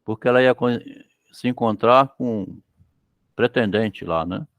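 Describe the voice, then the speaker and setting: A Brazilian man with a medium-pitched, fairly bright voice reads a story aloud at a measured pace, stopping to explain it like a literature lecture. He often adds "né?" and acts out the characters' lines, recorded with no room sound.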